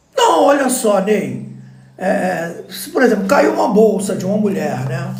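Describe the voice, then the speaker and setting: A man speaks with a high pitch. Music plays in the background and room echo is audible. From Rio de Janeiro, Brazil. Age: 60s. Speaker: lawyer and online commentator. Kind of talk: casual live-stream monologue. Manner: conversational, informal.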